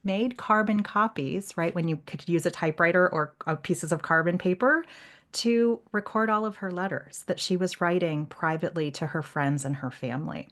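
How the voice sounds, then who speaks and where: Lower-voiced woman hosting a literary podcast. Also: normal speed, a bit bright. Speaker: podcast host.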